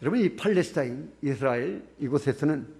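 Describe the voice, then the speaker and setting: A man's voice: a little high, animated, a little fast, vocal fry, a little mellow. A middle-aged man preaching a sermon as pastor, building emphasis through repeated phrases.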